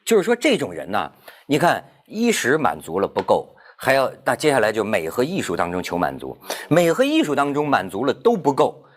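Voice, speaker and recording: A man telling a story in a casual round-table talk, animated, with many restarts. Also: mid-range voice, brisk. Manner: animated storyteller, stammering restarts, laughs while talking.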